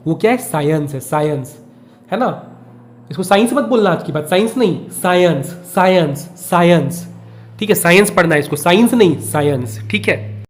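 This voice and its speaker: A young man with a somewhat high voice runs a casual tutoring lesson for children. He talks in a chatty way, repeats every point, and quizzes the students before answering his own questions. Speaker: online olympiad teacher.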